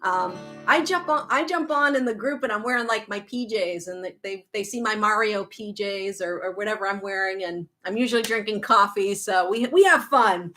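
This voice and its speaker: A guitar teacher in her thirties with a faint Boston accent chats casually on a livestream, answering viewer questions, reading out comments and tossing in quick asides. Her mid-range voice is bright with a forceful tone.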